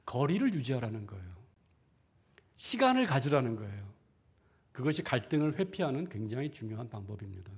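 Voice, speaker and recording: A man's voice: medium pitch, sing-song, brisk, breathy edge. A middle-aged man, a pastor, preaching a conversational sermon in a church, asking rhetorical questions and acting out inner thoughts. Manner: acts out inner thoughts in quoted asides. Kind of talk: sermon seminar. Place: church sanctuary.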